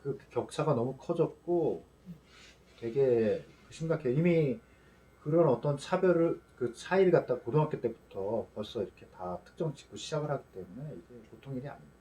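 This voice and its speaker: A man on a casual discussion panel, explaining his views in a measured way. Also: medium pitch, lively intonation, warm tone.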